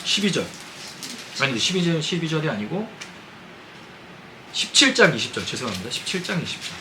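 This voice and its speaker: A pastor delivers a sermon in a lively, up-and-down voice, often turning to his listeners with questions. His voice sits a little high for a man, and a faint hiss runs under it. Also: brisk. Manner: conversational preaching, asks the congregation questions. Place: church sanctuary.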